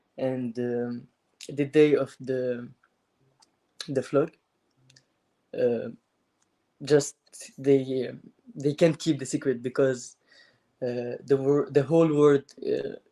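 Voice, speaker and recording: A man's fairly high, dark and mellow voice with an Arabic accent, flat and monotone, very slow, with long, frequent pauses. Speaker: activist's son, interviewee. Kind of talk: interview. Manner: halting, many fillers.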